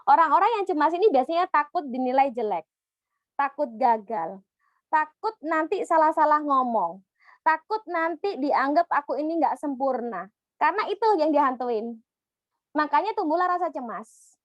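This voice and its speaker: A woman psychologist answers questions in an online talk, speaking in a lively way and acting out other people's voices. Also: sits high, normal speed, no echo, muffled recording. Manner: lively, acts out the voices of children and clients. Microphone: video call.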